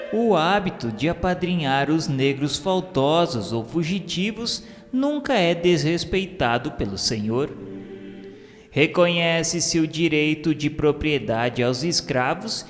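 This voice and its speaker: Slow, solemn Brazilian male narrator in reverb. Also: fairly high pitch. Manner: formal, measured literary diction. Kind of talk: solemn scripted narration of a radio drama. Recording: long reverb, music under the voice.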